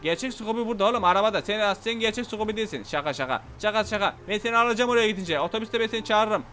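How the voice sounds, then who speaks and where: A man giving loud, playful gameplay commentary, shouting at the game's characters as he plays. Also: high voice, expressive, racing, a little hiss or hum. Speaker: gaming channel host.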